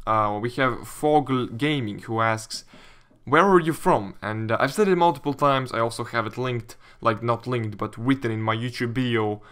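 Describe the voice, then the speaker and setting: Young male YouTube gamer, Latvian accent, mid-pitched voice, casual Q&A delivery. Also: moderate pace, hardly any pauses, fairly bright tone, smooth. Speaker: YouTube gaming commentator. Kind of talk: casual Q&A commentary reading viewer questions.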